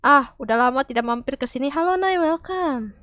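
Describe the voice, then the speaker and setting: A woman game streamer with a cold and a slightly nasal, stuffy voice, chatting casually and calling out to teammates with loud exclamations and swearing. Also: high-pitched, animated, fairly quick, no room sound, studio quality. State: has a cold. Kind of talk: casual gaming stream chat.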